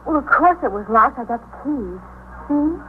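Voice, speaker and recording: A woman's voice: high-pitched, lively intonation, moderate pace, faint music behind. An actress in a 1950s radio drama playing an indignant woman reporting her stolen car at a police desk. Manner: indignant, insistent. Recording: tinny old radio broadcast with faint hiss.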